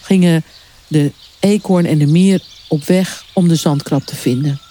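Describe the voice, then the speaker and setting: Woman reading a kids story, calm and slow, warm mellow voice. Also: deep voice. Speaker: story reader. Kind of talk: reading a children's story aloud.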